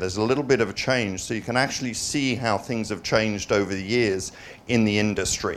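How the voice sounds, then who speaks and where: An American accent at a moderate pace, with audible room echo and noticeable background noise. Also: man. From United States. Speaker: cybersecurity company director presenting. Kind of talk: conference presentation.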